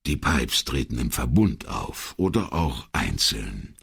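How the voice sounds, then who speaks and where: Guy reading old jewel dealer in an audiobook, super deep gravelly voice, slow lecturing way of talking. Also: sing-song, fairly bright tone, exaggerated voice. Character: elderly male jewel dealer, talkative expert.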